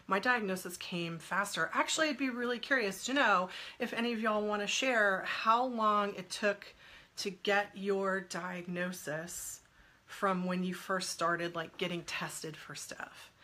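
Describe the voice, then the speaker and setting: A woman's voice: mid-range voice, unhurried, bright, forceful tone. A woman in her forties with a stuffy head cold, chatting casually on a live stream, laughing often and greeting viewers by name. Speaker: guest speaker on a live stream. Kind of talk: casual live-stream chat answering comments.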